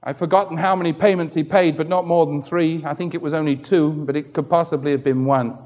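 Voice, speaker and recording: In a big-room setting, a middle-aged man preaches with a steady, slightly mellow voice, moving a little fast. He narrates stories within his sermon and acts out the quoted voices of the people in them with wide swings in pitch.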